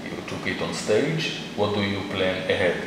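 A man asking interview questions in a slow, measured, polite way. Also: low-pitched, lively intonation. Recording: echoey room, distant mic, noisy.

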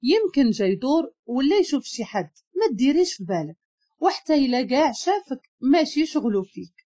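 A woman's voice: sits high, very animated, fairly quick, dark tone. A woman voicing a chatty, teasing young female best friend with a Moroccan accent.

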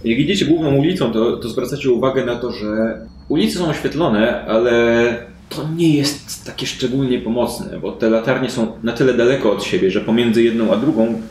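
A man's voice: mid-range voice, moderate pace, a little mellow, slight background noise. A man running a tabletop role-playing game, improvising descriptive narration in a conversational way. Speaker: game master. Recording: roomy, echoey indoor recording.

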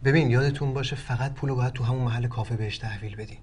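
An actor as a self-assured man in a film drama, laying out a plan in a mid-pitched voice. He speaks persuasively and instructively. Faint background noise runs under him. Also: fairly even intonation, darkish tone, close to an everyday voice. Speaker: man advising on a legal plan. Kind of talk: Iranian film drama acting.

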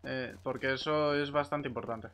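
A man's voice: mid-range voice, steady tone, normal speed, a bit bright, slight background noise. A man chatting casually in character while playing an online roleplay game, speaking into a close microphone.

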